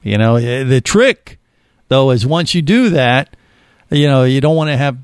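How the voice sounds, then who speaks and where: A man's voice: medium pitch, expressive, unhurried, clean tone, no echo, studio quality. A middle-aged man co-hosting an aviation talk show, rambling with lots of fillers and chuckles. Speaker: podcast co-host. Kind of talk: casual chat.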